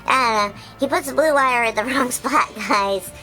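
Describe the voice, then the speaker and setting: A woman voicing an excitable, childlike male creature who hosts a chatty episode recap, bubbly and full of giggles and squeals. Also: high voice, moderate pace, faint music behind, poor audio. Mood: excited recap. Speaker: recap host.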